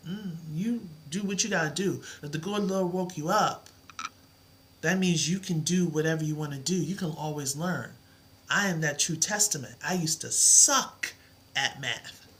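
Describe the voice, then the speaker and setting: A woman's voice: sits low, expressive, unhurried, a bit bright. A middle-aged woman teaching a live math lesson, with a soothing voice and an encouraging, reassuring way of talking. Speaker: math tutor.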